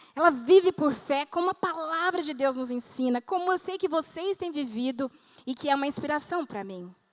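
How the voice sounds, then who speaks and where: A woman's high voice has lively intonation and big swings in loudness at a moderate pace. The sound is dry and close, with no echo. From Mato Grosso, Brazil. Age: 40s. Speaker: church speaker. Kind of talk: sermon.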